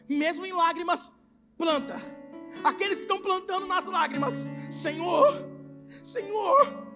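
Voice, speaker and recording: A Brazilian man preaching an impassioned sermon in a very high voice. He shifts from shouting to quiet, pleading appeals. Soft instrumental music plays faintly underneath. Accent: Brazilian Portuguese. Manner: swings between shouting and hushed, intimate pleading. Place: large retreat hall with a congregation.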